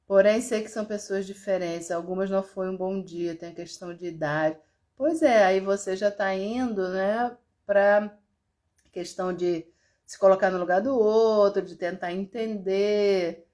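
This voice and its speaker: A woman's voice: medium pitch, measured pace. A woman from Brazil, a therapist with a Brazilian accent, talking casually to viewers on a live stream and laughing now and then. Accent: Brazilian Portuguese. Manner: chatty and warm, laughs often, reads out viewer comments.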